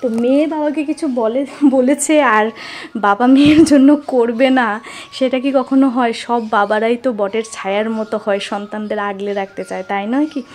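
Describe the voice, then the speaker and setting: A woman's voice: a little high, steady tone, a little fast, darkish tone. A young woman narrates a personal vlog casually, chatting straight to her viewers with little tag questions. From rural Tripura, India. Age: young adult. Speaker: vlogger.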